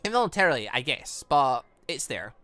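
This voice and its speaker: A man voicing a solemn, protective older headmaster in a visual novel, formal, measured and hesitant. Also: medium pitch, sing-song, pushed and bright, no echo, voice pushed down. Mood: earnest, halting. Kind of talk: visual novel character reading.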